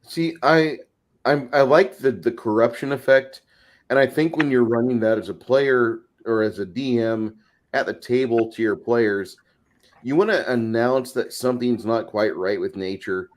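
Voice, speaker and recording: A man's voice: mid-range voice, moderate pace. A man chatting casually about tabletop games, blunt and profane, with a vivid way of describing things. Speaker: panelist on a role-playing show.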